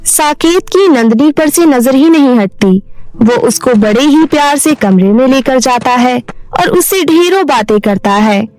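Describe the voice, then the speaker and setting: A woman's voice: high-pitched, expressive, a little slow, darkish tone, dry recording, soft background music, poor audio. A woman reading a scripted children's story as its narrator.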